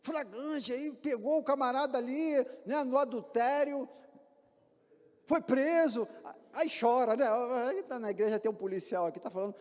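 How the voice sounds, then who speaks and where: A man's voice: very high-pitched, expressive, normal speed, darkish tone. A man with a Brazilian Portuguese accent, a pastor preaching a sermon in a church, asking rhetorical questions and acting out examples. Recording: hall reverb.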